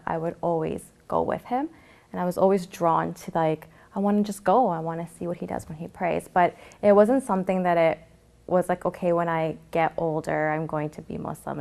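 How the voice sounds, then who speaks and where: A young woman from Canada calmly telling her personal story of faith, often pausing with fillers. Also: fairly low pitch, vocal fry. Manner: reflective, with frequent fillers. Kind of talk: personal testimony to camera.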